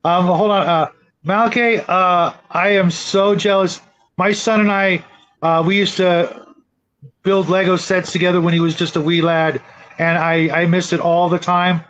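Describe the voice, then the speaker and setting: A man's voice: sits high, steady tone, measured pace, fairly bright tone. A middle-aged man hosting a casual live-stream chat, talking in a rambling, hesitant way. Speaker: show host. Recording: dull, lo-fi audio.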